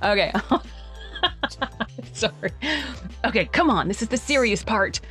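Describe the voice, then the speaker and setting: Woman narrator cracking up in the booth, voice jumping all over, slow and drawn out, faint music under. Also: on the high side, lively intonation, pushed and bright. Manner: giggling, breaking up mid-line. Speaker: audiobook narrator. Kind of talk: studio outtakes, reading and laughing.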